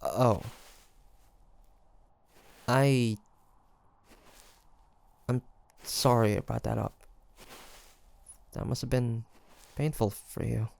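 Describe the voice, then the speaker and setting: A man's voice: mid-range voice, steady tone, very slow, gravelly, long pauses, darkish tone. A man playing a curious, teasing demon hunter in an audio roleplay, talking to the listener in a hesitant, conversational way. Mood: sympathetic, gentle. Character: male demon hunter traveler, curious, teasing, softly tsundere. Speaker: voice actor.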